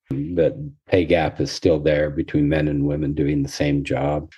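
A man speaking as a therapist guest in a casual podcast chat, congested from a cold, reflective and measured in tone. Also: mellow, lo-fi sound. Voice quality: deep, husky.

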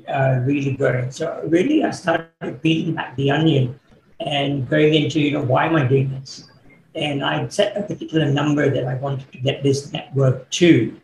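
A middle-aged man, born in Kenya and raised in the UK, answering interview questions as a business coach in a thoughtful, measured way with fillers. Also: mid-range voice, gravelly, darkish tone. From born in Kenya, grew up in the UK. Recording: echoey room, faint background noise.

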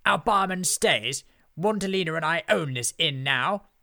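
Haughty witch acted by a man, raised pitch, imperious, pompous drawl, storybook villainess. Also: lively intonation, a little slow, creaky, sharp tone, heavily acted. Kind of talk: children's storybook character voice.

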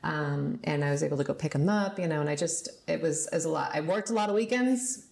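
A low-pitched woman in her forties leads a casual interview, chatty and encouraging. Her voice carries the echo of a reflective room. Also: fast talker, vocal fry, a little mellow. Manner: chatty, affirming with frequent mm-hmms. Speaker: realtor and interviewer. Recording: echoey room.

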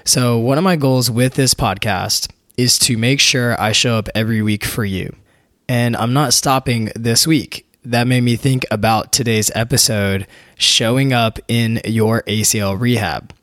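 A young man hosting a podcast, hoarse from a recent illness, talking earnestly and encouragingly straight to his listeners. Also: mid-range voice, steady tone, unhurried, fairly bright tone, dry recording, studio quality. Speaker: podcast host, physical therapist. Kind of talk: casual motivational monologue.

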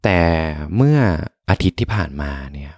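A soft-spoken man hosting a podcast, telling personal stories as unhurried, reflective bedtime pillow talk. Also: low voice, sing-song, husky, no echo, studio quality. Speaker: podcast host.

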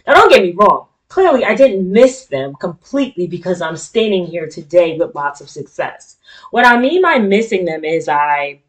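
A woman's voice: lowish voice, big pitch swings, normal speed, rough recording. A middle-aged woman with an African American accent hosting a casual, candid monologue in an informal, slangy, conversational way. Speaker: talk show host. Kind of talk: casual personal monologue to an audience.

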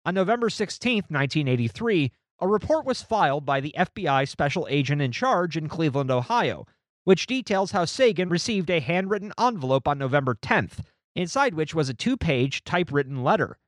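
A man's voice: on the high side, brisk, no room sound, clean studio sound. A man co-hosting a podcast, chatting casually about a book and reading long passages aloud. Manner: lively, animated delivery with restarts. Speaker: podcast co-host.

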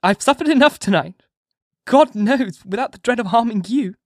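A man voicing a terrified young wife who pleads and sobs in a high, strained voice, in a dry storybook reading. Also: lively intonation, moderate pace, no echo. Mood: frantic pleading.

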